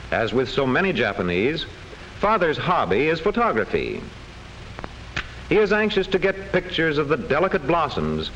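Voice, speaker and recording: A man reading scripted classroom film narration in a measured, enunciated storytelling manner. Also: a little high, a bit bright, low-quality recording. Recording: old classroom film soundtrack, faint hiss.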